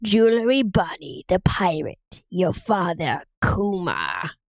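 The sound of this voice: A put-on character voice, female-sounding, at a fairly slow pace. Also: medium pitch for a woman.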